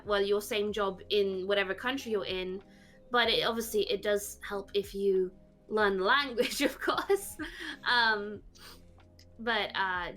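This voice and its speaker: A woman VTuber being interviewed, talking casually and haltingly with lots of fillers. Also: medium pitch, a bit bright. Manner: rambling, halting, many fillers. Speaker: VTuber guest.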